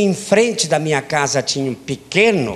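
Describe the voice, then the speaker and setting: Lively intonation from a man at a fairly slow pace, noticeable background noise behind. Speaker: city councillor and tax auditor, panel moderator. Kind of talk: panel closing remarks.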